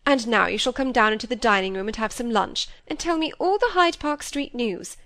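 A woman's voice: a little high, animated, a little fast, a bit bright, dry recording. A woman voicing a fussy, complaining stepmother. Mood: fussing. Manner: complaining, talks over others. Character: fussy self-pitying middle-aged stepmother.

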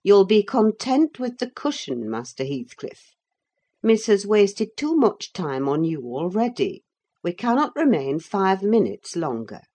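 A woman's voice: medium pitch, sing-song, mellow, pitched above the performer's own voice. A woman voicing a stern, middle-aged housekeeper in an audiobook reading, firm and scolding. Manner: firm and brisk.

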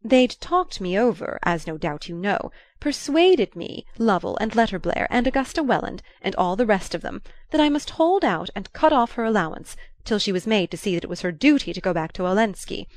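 A woman voicing a shrewd, commanding old grandmother who talks in a lively, imperious way. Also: mid-range voice, brisk, few pauses, no echo, close to an everyday voice. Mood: confiding.

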